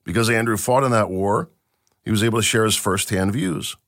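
A man's voice: fairly low pitch, brisk, a bit bright, dry recording, studio quality. A man hosting a podcast, giving emphatic, enthusiastic commentary and reading from an article. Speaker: podcast host.

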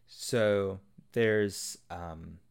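A man's voice: low-pitched, very slow, vocal fry, clean tone. A man, a guest on a film podcast, telling a joke in a rambling way and laughing as he goes. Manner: rambling storyteller, laughs at own jokes. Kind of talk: casual film podcast chat.

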